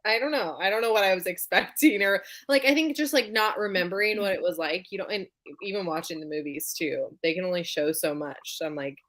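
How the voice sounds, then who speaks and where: A woman with a slightly low voice chats casually about books as a live show host. She talks in a hesitant way, often searching for the right words as she goes. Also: a little fast, few pauses, fairly bright tone. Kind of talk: casual book discussion.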